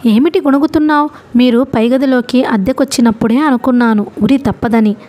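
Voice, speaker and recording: Woman doing a shrill scolding old schoolteacher. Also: steady tone, a little fast, dark tone, natural voice.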